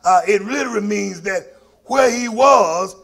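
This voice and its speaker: Male preacher, Southern African American accent, high voice with a creaky rasp, folksy and emphatic sermon delivery. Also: unhurried, fairly bright tone. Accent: Southern African American English. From Mississippi, US. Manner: folksy, emphatic, repeats phrases for effect. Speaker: pastor preaching to a congregation. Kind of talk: sermon with call and response.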